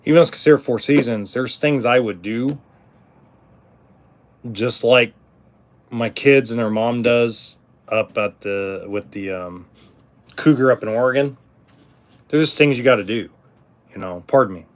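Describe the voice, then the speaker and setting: A man's voice: medium pitch, unhurried, pauses often. A middle-aged man hosting a casual livestream about RVs, answering viewers in a rambling way, with frequent ums, restarts and blunt cursing. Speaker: RV livestream host.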